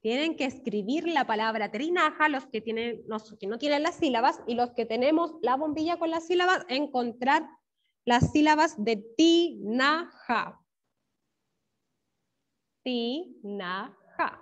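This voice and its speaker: High-voiced Chilean woman teacher. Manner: encouraging, praises pupils by name; stretches words out slowly, syllable by syllable. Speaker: primary school teacher. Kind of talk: online class for young children. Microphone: video call. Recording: dull lo-fi video call audio.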